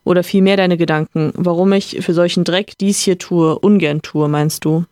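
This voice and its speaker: A podcaster reading a novel aloud, voicing a calm, reflective gentleman who lectures his friend in a slightly raised voice. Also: mid-range voice, normal speed, a little hiss or hum, close to an everyday voice. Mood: earnest lecturing.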